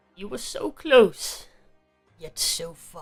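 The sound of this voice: The speaker uses a put-on character voice at a fairly high pitch. Faint music plays in the background.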